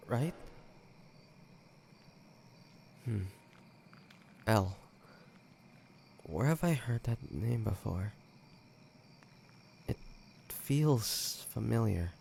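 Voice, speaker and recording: Slow, creaky-voiced man playing a bewildered young hero. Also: medium pitch, very animated, warm tone, slight background noise, heavily acted. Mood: uncertain, worried. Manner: halting, hesitant, questioning. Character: bewildered man reliving childhood as an earnest demon boy. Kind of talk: dramatic audio roleplay acting.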